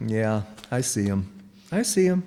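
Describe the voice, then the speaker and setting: An actor playing a blustering, easily flustered husband in 1940s radio comedy acting, sputtering with exasperation. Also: male voice, lowish voice, very animated, unhurried, mellow. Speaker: harried husband, new homeowner. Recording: reverberant old radio broadcast with faint noise.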